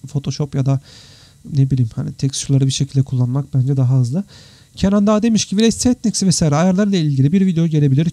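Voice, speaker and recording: Mellow, very dark-toned man, slightly worn. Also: mid-range voice, dry recording. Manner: chatty, informal, addresses viewers as friends. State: tired, slightly worn voice after three hours of talking. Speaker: live stream host, 3D visualization teacher. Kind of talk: casual live Q&A, reading out and answering viewer comments. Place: indoors, computer live stream with screen share.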